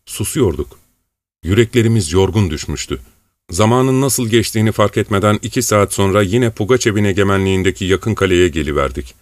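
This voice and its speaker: A male audiobook narrator reads in a steady, measured way. His voice sits on the low side. The recording is dry and close. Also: no echo. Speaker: audiobook reader.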